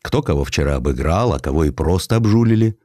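A man's voice: very deep voice, lively intonation, fast talker, warm tone, no room sound, studio quality. A man narrating a historical sketch as an audiobook, in a theatrical and wry storytelling manner.

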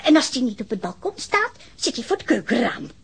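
An actress playing a chatty, nosy, easily indignant woman witness in a radio drama, rambling and insistent, with a husky voice. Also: fairly high pitch, big pitch swings, brisk, full character voice. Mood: gossipy, confiding.

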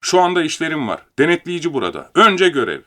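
A man's voice: fairly high pitch, very animated, fast talker, a bit bright, pitched above the performer's own voice. A man reading an audiobook, voicing an older male official who speaks with patronizing false kindness. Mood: smug.

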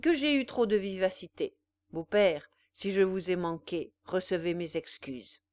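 A woman reading a loud, thundering, bullying young peasant groom in a storybook. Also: lowish voice, measured pace, no echo, lightly acted. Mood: grudging apology.

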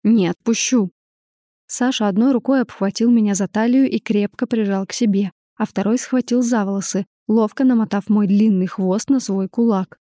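Женщина-чтец с мягким тёплым голосом. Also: female voice, mid-range voice, fairly even intonation, moderate pace, hardly any pauses, dark tone, no echo, clean studio sound. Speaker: audiobook narrator. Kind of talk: first-person audiobook narration.

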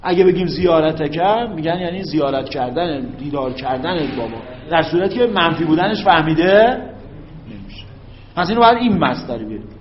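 High-voiced man teaching grammar in an echoey room. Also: expressive, crowd noise. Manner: drawn-out recited Arabic examples, frequent check-ins with students. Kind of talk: classroom grammar lesson. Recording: muffled, echoey classroom recording.

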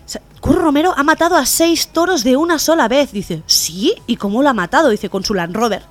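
A woman co-hosting a community radio comedy show, telling jokes with animated storytelling and laughing along. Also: sits high, brisk. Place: radio studio.

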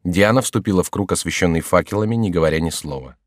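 Male audiobook narrator, deep and dry, measured dramatic delivery. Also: dry recording. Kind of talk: scripted literary narration.

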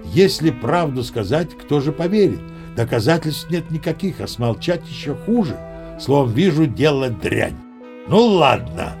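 An actor playing a boastful old sea captain, narrating his tall tale with lively storytelling. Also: mid-range voice, a little slow, creaky, soft background music. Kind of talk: audio play narration.

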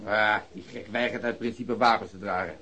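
Fast-talking, scornful police detective. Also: male voice, fairly low pitch, steady tone, bright, forceful tone. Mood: sarcastic. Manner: scornful, sarcastic, blunt. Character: gruff, contemptuous, hot-tempered police detective. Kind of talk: Dutch radio drama acting.

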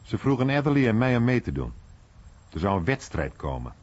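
A man's voice: medium pitch, big pitch swings, brisk, darkish tone. A man playing a rueful American bombardier veteran telling his story colloquially in a radio play. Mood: rueful, animated. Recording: dull, band-limited radio recording.

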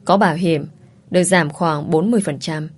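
A woman voicing a young female student, a devoted, tearful daughter who speaks softly and hesitantly. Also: low-pitched, a little fast, slightly rough. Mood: distressed.

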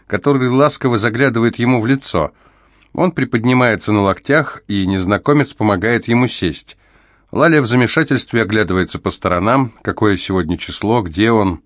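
A male narrator with a low voice reads an audiobook in a measured, grave way. The sound is dry and close, recorded in a studio booth. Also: dry recording. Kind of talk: scripted narration.

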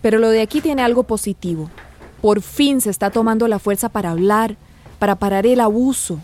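A woman's voice: on the high side, fairly quick, darkish tone, lightly acted. A woman playing a tender migrant mother. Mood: concerned. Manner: tender, chatty, concerned. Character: warm affectionate middle-aged migrant mother. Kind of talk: radio drama acting.

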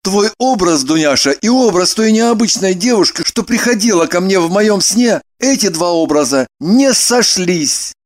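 A flustered young man, as a woman reader puts him on, earnest and insistent, blurting things out in halting bursts. The voice has an odd, altered timbre and swings widely in tone for an audiobook figure. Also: medium pitch, animated, natural voice.

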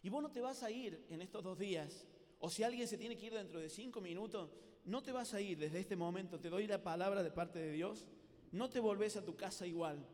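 A man with a Córdoba Argentine accent gives a lively retreat sermon to young people. He talks like an animated showman and acts out scenes in a high voice. His words ring out with a long reverb in a large hall. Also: brisk. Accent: Córdoba Argentine Spanish. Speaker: Catholic youth preacher.

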